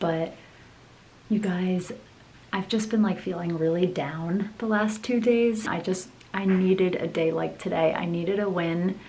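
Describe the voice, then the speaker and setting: A woman whispers at a fairly slow pace. There is audible room echo along with noticeable background noise. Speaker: lifestyle vlogger and influencer. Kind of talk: vlog talk to camera. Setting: bathroom at home. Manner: whispering.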